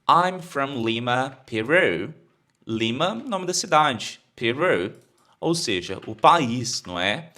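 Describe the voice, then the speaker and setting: A Brazilian man with a Brazilian Portuguese accent who teaches English, repeating phrases slowly for learners to copy. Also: medium pitch, sing-song, pushed and bright. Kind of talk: explaining an English lesson.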